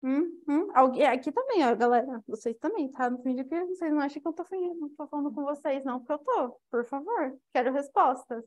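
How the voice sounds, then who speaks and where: A woman's voice: sits high, fast, few pauses, dull audio. A young woman lecturer giving a spiritual talk and addressing her audience directly. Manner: lively, engaging the audience directly.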